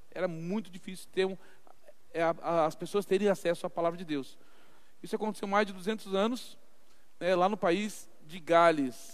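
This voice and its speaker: A man speaks with ordinary pitch variation. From southern Brazil, Curitiba (Paraná). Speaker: Bible society representative speaking at a church. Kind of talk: church presentation talk. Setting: church service, livestreamed. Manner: fast.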